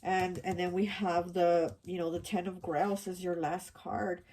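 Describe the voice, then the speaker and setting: Lady doing a tarot reading, kinda low and husky, stuffy nasal allergy voice, lots of ums and restarts. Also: little pitch movement, a little slow, a little mellow. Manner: rambling, many fillers and restarts. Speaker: tarot reader. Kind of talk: casual pick-a-card tarot reading.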